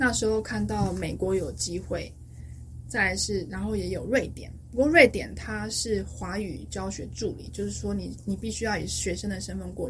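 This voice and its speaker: A woman's voice with audible room echo. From Taiwan. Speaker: Mandarin teacher. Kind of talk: interview.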